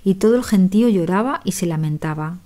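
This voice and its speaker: A woman reading a storybook aloud as an audiobook narrator, in a measured, dramatic way. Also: on the low side, lively intonation, warm tone.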